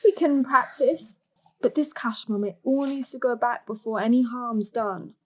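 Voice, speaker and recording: Earnest high-voiced young daughter. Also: female voice, a little slow, rough recording. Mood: coaxing. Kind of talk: naturalistic drama acting.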